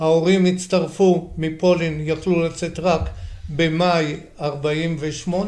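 There is noticeable background noise and audible room echo as a man talks very slowly in a high pitch with monotone, flat intonation. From Israel, Haifa area (born in Poland). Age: 80s+. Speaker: founder of the scout troop. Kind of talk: interview storytelling.

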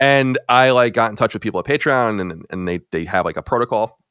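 Dry and close with no echo, the sound captures a man with an unremarkable speaking voice. He talks at a fairly quick pace, medium in pitch, with ordinary pitch variation. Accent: American. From Long Island, New York. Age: 30s. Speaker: podcast host and media owner. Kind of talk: interview. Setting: remote recording.

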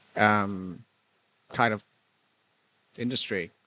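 Ordinary pitch variation marks a man's voice as he talks at a very slow pace. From Vietnam. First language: Vietnamese. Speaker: photographer. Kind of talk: casual interview. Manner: halting, many fillers.

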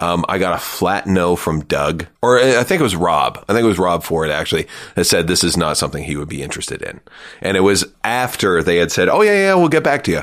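A man's very deep, low voice at a fairly quick pace, lively in intonation, in a very clean recording over a silent background. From Ontario, Canada. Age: 40s. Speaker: comedian and podcaster. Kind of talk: casual chat. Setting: studio.

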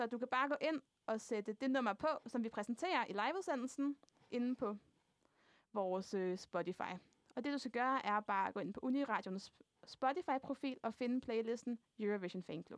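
Nothing echoes in this close, dry recording. The talking proceeds at a moderate speed. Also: woman, high pitch for a woman. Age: 20s. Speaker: student radio host. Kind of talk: casual chat.

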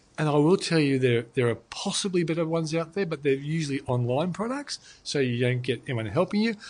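With an Australian accent, a man talks at a fairly quick pace, his fairly high voice somewhat breathy and his intonation lively, over a quiet background. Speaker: finance show host. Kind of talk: casual chat. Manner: jokey.

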